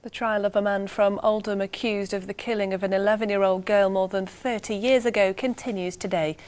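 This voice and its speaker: A woman presenting regional morning news in a steady, formal scripted reading. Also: medium pitch, fairly quick, clear, resonant tone.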